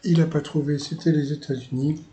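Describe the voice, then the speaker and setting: Speaking with a fairly high, warm voice, even intonation and a brisk pace, this man from Paris, France recaps a TV quiz show on his own channel. His commentary is loose and rambling, full of fillers and amused asides, with a little hiss or hum in the background.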